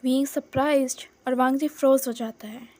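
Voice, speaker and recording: Young woman, high voice, chatty, dramatic storytelling narration. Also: steady tone, moderate pace, a little mellow, dry recording. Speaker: fan fiction narrator.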